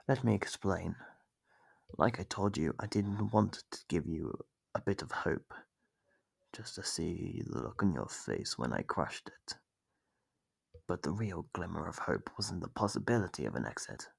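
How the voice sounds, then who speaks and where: Horror ASMR monster captor, played by a man: deep, unhurried, smugly menacing, taunting his prey in a husky, breathy drawl. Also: animated, dry recording, exaggerated voice. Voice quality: gravelly, husky, often dropping to a breathy whisper. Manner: slow, taunting, theatrical drawl with drawn-out pauses. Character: sadistic male monster captor, smug, menacing, toying with prey. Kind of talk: horror ASMR roleplay monologue.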